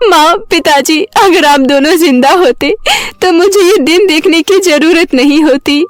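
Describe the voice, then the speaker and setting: A woman's voice: very high voice, animated, takes it slowly, no echo, pitched above the performer's own voice, exaggerated voice. A woman voicing a meek, weeping young orphan girl in a storybook tale, with a plaintive, pleading manner. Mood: tearful, distressed.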